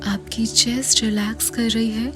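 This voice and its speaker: A woman with an Indian accent guides a meditation in a soft, partly whispered voice, in short measured phrases with long pauses. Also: a little high, level tone. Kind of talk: guided meditation, slow soothing instruction. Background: meditation music.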